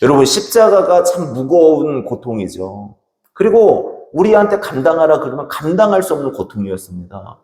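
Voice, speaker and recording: A male pastor preaching a sermon with emphatic delivery, swinging from loud declarations to hushed words. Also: on the high side, big pitch swings, normal speed. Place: church sanctuary. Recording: reverberant church hall.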